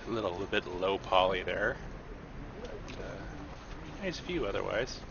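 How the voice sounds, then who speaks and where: Mumbling at a very slow pace, a man is heard with audible room echo. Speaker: gaming streamer. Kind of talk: gameplay commentary with reading aloud. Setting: live stream.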